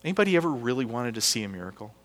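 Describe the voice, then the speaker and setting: A man's voice: mid-range voice, rapid-fire, faint music behind. A male pastor preaching a sermon and praying, often asking the congregation questions and restarting his phrases with frequent "uh" fillers. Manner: animated, asks the congregation questions; hesitant restarts with many "uh" fillers. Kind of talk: sermon with prayer and Bible reading.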